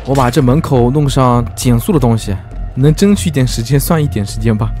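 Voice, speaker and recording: A man giving lively, teasing commentary as he plays a video game, full of exclamations. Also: mid-range voice, fairly quick, over music. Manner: excitable, teasing, frequent exclamations and laughs. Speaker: gaming YouTuber. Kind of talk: let's play commentary.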